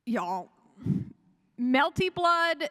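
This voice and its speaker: Female panelist, slightly high voice, casual and enthusiastic fan delivery, rambles and corrects herself. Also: very animated, drawn-out words, fairly bright tone. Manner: chatty and rambling, with frequent self-corrections and chuckles. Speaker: convention panelist. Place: live panel room at a fan convention.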